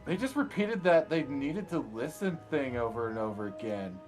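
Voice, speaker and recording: A man's voice: mid-range voice, lively intonation, normal speed, a little mellow, faint music behind, lightly acted. A man voicing a young female cartoon pony as a hesitant, ditzy valley girl. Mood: dismayed. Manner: valley girl drawl, hesitant, breaking into giggles.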